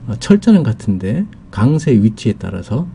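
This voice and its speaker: A man teaching an English lesson on video, explaining slowly and carefully with many fillers and reading English example sentences very slowly. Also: medium pitch, very animated, vocal fry, dark tone, slight background noise.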